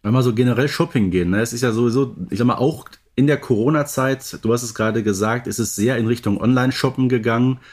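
A man's voice: mid-range voice, fast, hardly any pauses, darkish tone. A middle-aged man, chatting casually as a podcast co-host. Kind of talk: casual chat about audio drama episodes.

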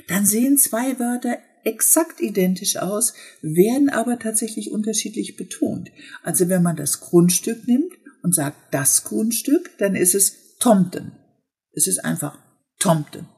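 A woman hosting a podcast language lesson, explaining pronunciation step by step and modelling words slowly. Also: fairly low pitch, gravelly, warm tone, breathy edge. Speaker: Swedish teacher and podcast host.

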